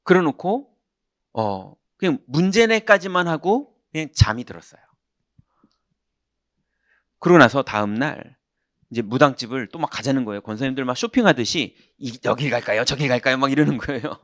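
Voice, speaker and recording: Lively Korean pastor telling a story. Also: male voice, medium pitch, moderate pace, pauses often, dry recording, studio quality. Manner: animated, acts out quoted voices, shouts punchlines. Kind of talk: sermon with storytelling. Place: church sanctuary.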